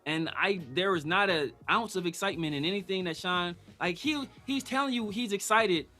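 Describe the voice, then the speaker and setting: A high-voiced man with a sharp, bright tone, hosting a casual sports talk show. He argues his points with emphasis and talks over his co-host. Faint music plays behind him. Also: normal speed. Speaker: podcast host.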